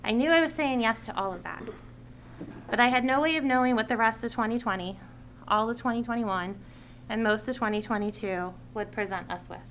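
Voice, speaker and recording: Woman reading her speech at a town meeting, earnest and measured, a little faint hiss behind. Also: a little high, fairly bright tone, low-quality recording. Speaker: school committee chair. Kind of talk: prepared farewell speech at a public meeting.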